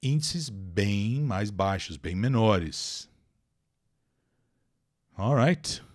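Speaking extremely slowly in a fairly low, slightly mellow voice, this Brazilian-accented teacher is expressive as he leads a live online English class. He reads a text out, translates it, explains pronunciation, and chats directly with his viewers.

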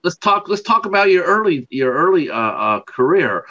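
Rambling older host, dull call audio. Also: male voice, high-pitched, sing-song, moderate pace, sharp tone. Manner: rambling, lots of fillers and restarts. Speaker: interview show host. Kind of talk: casual livestream interview.

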